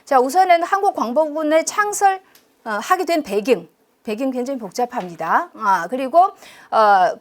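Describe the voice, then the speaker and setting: High, lively Chinese-accented Korean woman. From China. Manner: chatty and self-deprecating, quizzes the audience, many fillers. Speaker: university professor giving a public lecture. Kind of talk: public history lecture. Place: lecture room.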